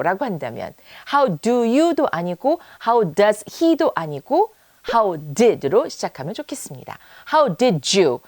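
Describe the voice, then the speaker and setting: Lively woman teaching English. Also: fairly high pitch, dry recording. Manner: slow, drawn-out English example sentences; exclaims examples in an admiring tone. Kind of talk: video language lesson.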